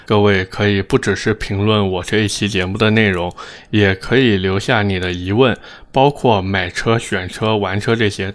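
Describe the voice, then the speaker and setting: A man hosting a car review show, speaking with slightly slurred, thick-tongued diction in a blunt, sarcastic, opinionated manner. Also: on the low side. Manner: blunt, sarcastic, rhetorical questions. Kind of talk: opinionated car commentary to audience.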